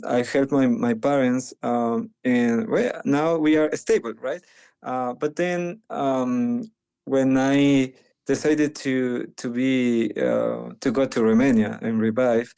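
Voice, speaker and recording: Guest: young Panamanian man, slow and mellow, halting speech full of restarts, second-language speaker. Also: medium pitch, steady tone, creaky, clean tone. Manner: halting, many restarts and fillers. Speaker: guest, medical missionary. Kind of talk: conversational interview.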